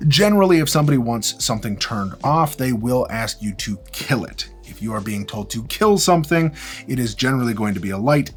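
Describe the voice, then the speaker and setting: A man presenting an instructional video, explaining things emphatically and restating key points in a structured way. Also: on the low side. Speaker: video host, tutorial presenter. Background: background music.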